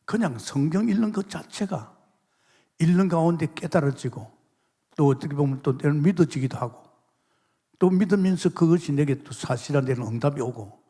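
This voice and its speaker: Middle-aged male pastor, husky voice, sermon with testimony, emphatic swings to hushed asides, big reverberant church hall. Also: fairly high pitch, animated, moderate pace. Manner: emphatic preaching with sudden loud exclamations and hushed asides; testimony storytelling, acts out quoted voices. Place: large church sanctuary.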